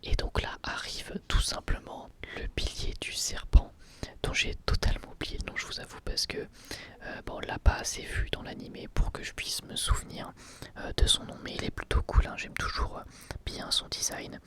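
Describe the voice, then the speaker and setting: A man giving a whispered ASMR review, talking in a relaxed, rambling way with hesitant restarts. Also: moderate pace. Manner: soft unvoiced whisper throughout.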